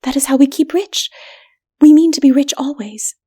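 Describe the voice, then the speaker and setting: A woman voicing a timid, snobbish city lady in an audiobook, with a breathy, whispery voice. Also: sits high, normal speed, mellow, pitched above the performer's own voice, close to an everyday voice. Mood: smug. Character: frightened, haughty city woman, breathless and high. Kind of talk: dramatic audiobook reading.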